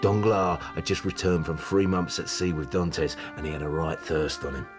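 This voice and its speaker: An actor playing a shifty innkeeper who tells an old story in a hushed, conspiratorial voice, in a radio drama. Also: male voice, low voice, steady tone, normal speed, music in the background, close to an everyday voice. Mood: recalling.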